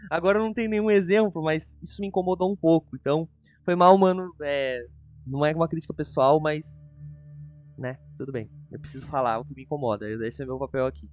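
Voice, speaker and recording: A man's voice: fairly high pitch, highs cut off. A Brazilian man hosting a reaction show, giving an informal, hedging review in casual conversation. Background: music.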